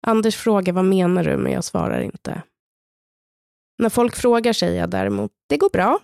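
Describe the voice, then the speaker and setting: A woman in her thirties, a podcast co-host, slowly telling a personal story in the present tense in an intimate, measured way. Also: medium pitch, animated, vocal fry, a little mellow, no room sound, clean studio sound. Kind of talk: personal storytelling, partly read from a script.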